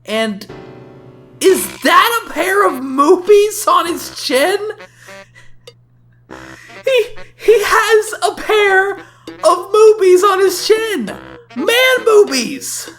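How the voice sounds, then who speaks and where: A woman's voice: very high-pitched, animated, extremely slow, pauses often, fairly bright tone. A woman giving casual, sarcastic reaction commentary as a video game reviewer, often exclamatory. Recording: voice-over with faint game music.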